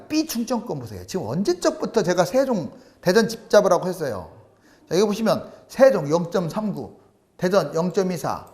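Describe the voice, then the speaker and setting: A man giving solo commentary on housing prices over charts, emphatic and asking rhetorical questions. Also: high-pitched. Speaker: real estate commentator.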